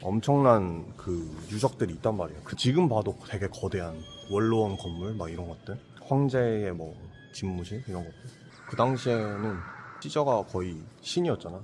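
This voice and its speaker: Over music, a man with a lowish voice talks at a moderate pace. He hosts a Christian apologetics channel and chats reflectively during a trip, now and then acting out imagined villagers in lively voices.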